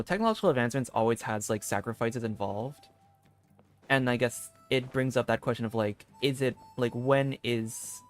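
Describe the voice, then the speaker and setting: A man streams a game with casual, rambling commentary. His voice sits at an average pitch. He thinks aloud haltingly, with soft music playing behind him.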